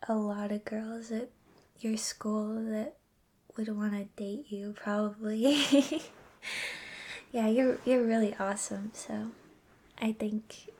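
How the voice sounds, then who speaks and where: A young woman whispering softly and giggling often into a close mic, doing an ASMR roleplay. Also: mid-range voice, level tone, slow pace, pauses often, a little hiss or hum. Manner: soft whispering with frequent giggles.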